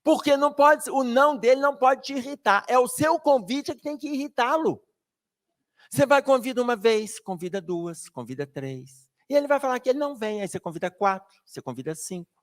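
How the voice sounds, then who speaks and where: A man's voice: very high-pitched, a little fast. A man giving a spirited public lecture at a spiritist book fair, joking and talking straight to the audience. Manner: animated, jokey, addresses the audience directly. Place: lecture hall.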